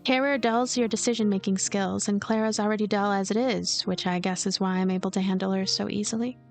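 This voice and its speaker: A woman's voice: mid-range voice, fairly even intonation, a little fast, faint music behind, natural voice. A woman voicing a lonely, cynical, manipulative girl who narrates a visual novel in a detached, coaxing way. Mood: cold, matter-of-fact.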